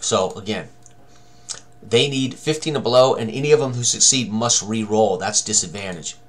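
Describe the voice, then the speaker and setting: Low-voiced older man thinking aloud. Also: moderate pace. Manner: talks to himself, exclaims mildly. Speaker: game tutorial presenter. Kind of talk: casual walk-through of tabletop combat, thinking aloud.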